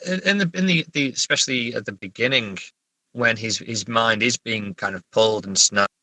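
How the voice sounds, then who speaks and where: A man with a bright, forward voice in a close, dry recording speaks as a writer being interviewed. He is casual and reflective, halting and repeating words while he gathers his thoughts. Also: mid-range voice, gravelly, no echo, low-quality recording. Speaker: writer, podcast guest.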